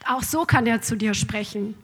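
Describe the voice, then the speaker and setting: A woman preaching a charismatic sermon, fervent and building to loud exhortation. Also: on the high side, normal speed, slightly rough.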